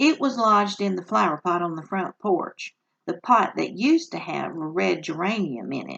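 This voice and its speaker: A woman with a Southern US accent speaks at a fairly low pitch and a moderate pace, with vocal fry, lively intonation, and big swings in loudness. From North Florida. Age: 70s. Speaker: retired writing and literature teacher. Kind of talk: read story. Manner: humorous folk storytelling.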